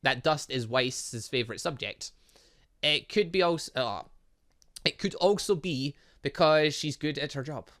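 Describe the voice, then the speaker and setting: A man doing casual, rambling and excitable commentary as he plays a story game and reads its text aloud. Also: fairly high pitch, unhurried. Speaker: gaming channel host.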